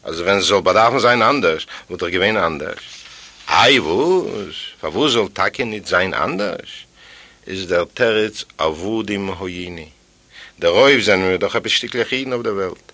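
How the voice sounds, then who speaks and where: A man's voice: sits low, moderate pace, dry recording. A man reading a first-person tale aloud as an audiobook, telling it with sighs and exclamations. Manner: animated storytelling with sighs and exclamations. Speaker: audiobook reader.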